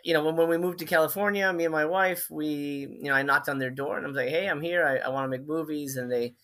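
This fortysomething filmmaker from Miami, Florida talks fast in a fairly high, sharp voice with mostly even intonation. As a guest in a casual interview, he tells meandering stories and keeps revising what he's just said.

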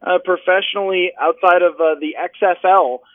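A man's voice: high voice, steady tone, normal speed, no room sound. A man being interviewed as a guest over the phone, talking in a dry, sarcastic way with rambling restarts. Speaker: sports writer and analyst, guest. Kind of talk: casual interview chat. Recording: tinny phone line.

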